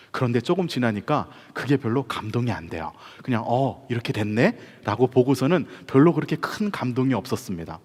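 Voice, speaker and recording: A man from Korea, a pastor, telling a story in a conversational sermon style with rhetorical questions. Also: medium pitch. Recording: church hall reverb.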